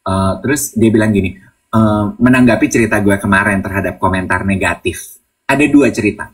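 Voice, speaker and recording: A man's voice: on the low side, brisk, far from the mic. A man, co-hosting a casual talk show, telling stories and acting out the voices he quotes. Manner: animated storyteller, acts out quoted voices, mixes English. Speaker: podcast co-host. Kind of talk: casual chat, retelling conversations.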